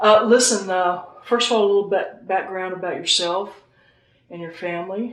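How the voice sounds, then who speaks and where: The woman has an unremarkable speaking voice of medium pitch, with fairly even intonation, a moderate pace and big swings in loudness. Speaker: folklorist interviewer. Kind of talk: oral history interview questions.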